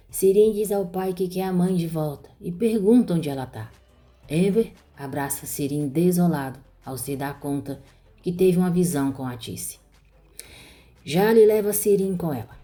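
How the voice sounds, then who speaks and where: Low-voiced woman narrating a recap. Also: dark tone. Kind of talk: scripted soap-opera recap narration.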